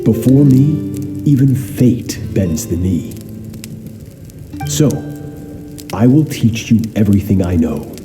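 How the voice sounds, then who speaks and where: A man's voice: lowish voice, sing-song. An actor playing a stern, cold master swordsman who makes grave, imperious pronouncements in a video game. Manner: grave, pompous, measured pronouncements. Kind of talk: scripted video game voice acting. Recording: echoing voice with music behind.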